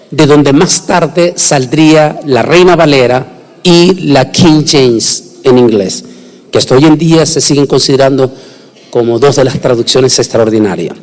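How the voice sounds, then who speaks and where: A man delivers a sermon in a fairly high voice, pushing up sharply for emphasis and then dropping back. He often restarts his phrases mid-thought. The sound rings with the long reverb of a large hall. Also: a little mellow. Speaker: preacher.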